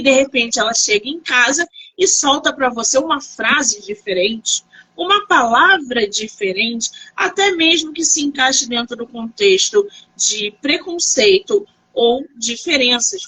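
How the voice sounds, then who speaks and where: A woman hosting an interview, asking questions in a warm, encouraging manner. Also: fairly high pitch, breathy edge, low-quality recording. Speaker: interview host. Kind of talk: casual interview over a live stream.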